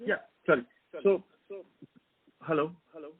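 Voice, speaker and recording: A man's voice: a little high, unhurried. A man, a company executive on an earnings call, heard on an echoing speakerphone and hesitant, checking whether he can be heard. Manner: hesitant, many fillers, keeps checking if he is heard. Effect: echoing speakerphone on a phone line. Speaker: company executive answering analysts. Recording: tinny, dry phone line.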